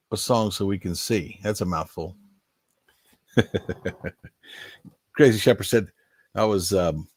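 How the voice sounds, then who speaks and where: A lowish-voiced older man, a bit nasal from allergies, meanders through a casual live stream, reading out viewer names. His manner is folksy with chuckling asides, captured in clean studio sound with no room sound.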